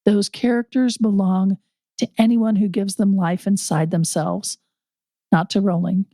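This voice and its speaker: A woman co-hosting a podcast in casual chat, her voice slightly raspy, earnest and quick to laugh. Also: mid-range voice, steady tone, warm tone, no room sound, studio quality. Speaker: podcast co-host.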